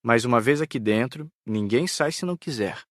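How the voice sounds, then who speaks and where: Male actor as calm spirit rescuer, Brazilian, medium pitch, unafraid, dry audiobook recording. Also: moderate pace, no echo, close to an everyday voice. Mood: tranquil. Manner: tranquil, matter-of-fact. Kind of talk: dramatised audiobook dialogue.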